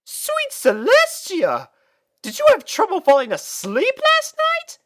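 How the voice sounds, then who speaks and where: A woman's voice: extremely high pitch, wildly swooping pitch, slow pace, fairly bright tone, pitched above the performer's own voice, full character voice. A woman voicing a refined, fussy young lady pony who talks in a theatrical, prim and genteel way. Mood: shocked, fussing.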